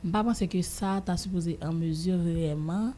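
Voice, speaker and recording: A woman with a Haitian accent giving her opinion in a casual radio discussion, haltingly, often repeating phrases as she searches for words. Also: on the low side, warm tone.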